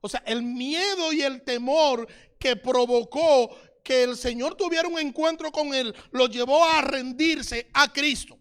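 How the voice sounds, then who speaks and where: A man's voice: extremely high pitch, fairly bright tone. A middle-aged man preaching a sermon as pastor, reading scripture aloud and addressing listeners as brother.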